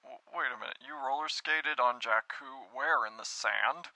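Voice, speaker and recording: Man playing a bright-voiced, brooding, awkward young man. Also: mid-range voice, normal speed, dry recording, poor audio. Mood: curious, amused. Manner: hesitant, earnest, self-pitying. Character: brooding, awkward young man with sad childhood, earnest and naive. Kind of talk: naturalistic conversational cartoon spoof dialogue.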